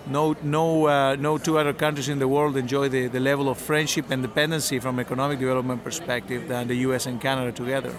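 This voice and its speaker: A middle-aged man from Argentina who represents an industry association, answering interview questions at a measured pace with frequent fillers and restarts. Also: medium pitch, flat delivery. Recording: crowd noise behind.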